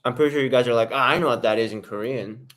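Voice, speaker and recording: Male streamer host, relaxed rambling chat to the chat room, mid-pitched, eating on camera. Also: very fast. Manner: loose, rambling, talks straight to viewers in chat; eats while talking. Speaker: livestream host. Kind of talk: casual live-stream chat.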